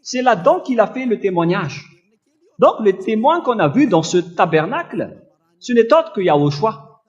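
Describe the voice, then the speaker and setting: A man preaching a fervent sermon in a loud, forceful, admonishing manner, reading and explaining scripture. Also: high-pitched, sing-song, normal speed, highs cut off. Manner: accusatory, admonishing.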